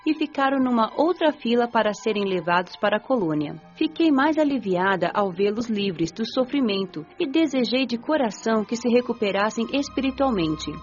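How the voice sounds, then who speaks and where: A Brazilian woman playing an earnest, compassionate young spirit who narrates her afterlife in a measured way for a radio novel. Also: a little high, close to an everyday voice. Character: nineteen-year-old female spirit recalling her afterlife, earnest and compassionate. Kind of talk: scripted first-person audiobook narration, radio novel. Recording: dull lo-fi audio with music. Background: music.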